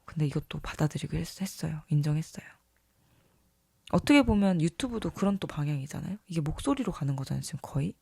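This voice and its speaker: Vlogger, casual reflective talk, earnest, enthusiastic, creaky voice, medium pitch, dry close sound. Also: animated, fast talker, darkish tone, no room sound. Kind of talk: casual reflective self-talk to camera or mic.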